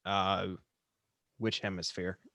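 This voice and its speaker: A man's voice: low-pitched, flat delivery, slow pace, vocal fry, pushed and bright, dry recording. A man chatting casually and jokingly as a guest on a podcast. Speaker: podcast guest, writer and voice actor.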